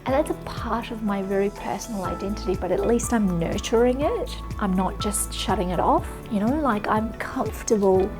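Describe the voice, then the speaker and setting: A woman's voice: medium pitch, normal speed, few pauses. A woman from Pakistan speaking frankly and with emphasis in a documentary interview. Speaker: interviewee, advocacy director. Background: background music.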